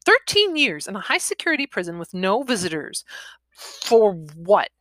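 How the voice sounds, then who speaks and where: A woman's voice: medium pitch, very animated, moderate pace, a bit bright, dry recording, pitched above the performer's own voice, low-quality recording. A woman voicing a foul-mouthed, confrontational young female bully in her twenties from a novel, growling and accusing. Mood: angry, accusing.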